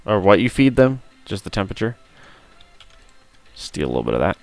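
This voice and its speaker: A tired, hoarse man with a gruff, rough voice streaming a game, chatting and muttering to himself on a close mic. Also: on the low side, big pitch swings, a little fast, darkish tone, faint music behind. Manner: mutters to himself while playing. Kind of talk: casual gameplay stream chat. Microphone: close studio mic.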